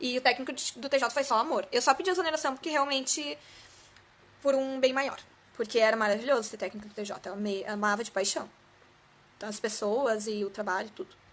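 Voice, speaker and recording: A high-pitched woman, animated, at a fairly quick pace, with lively intonation, big swings in loudness and long, frequent pauses. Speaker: exam-prep influencer, former civil servant. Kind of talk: live stream Q&A. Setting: live stream. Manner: casual, animated.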